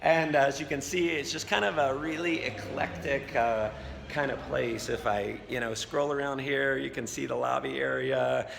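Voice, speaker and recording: An American man who has lost his voice, hosting an upbeat casual interview with a hoarse voice and many fillers. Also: medium pitch, steady tone, moderate pace. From United States. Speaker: host and network marketing coach. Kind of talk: casual video blog interview. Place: hotel lobby. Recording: reverberant space with faint noise.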